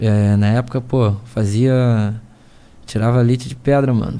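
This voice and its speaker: A man speaks at medium pitch in a dark, mellow tone. His intonation stays monotone and flat. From Rio de Janeiro. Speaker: battle rapper. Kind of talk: casual chat.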